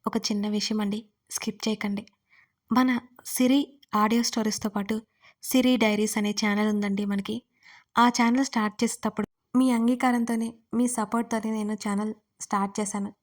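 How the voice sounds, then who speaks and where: A woman hosting and narrating an audio story, with gentle, earnest asides to listeners. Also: mid-range voice, little pitch movement, normal speed. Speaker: storyteller and channel host.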